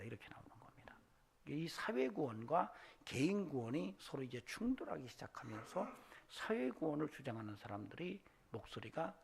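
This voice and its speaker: A man preaching a Sunday sermon as pastor, moving from hushed low asides to loud, high-pitched exhortation. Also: creaky, slightly rough. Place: church sanctuary.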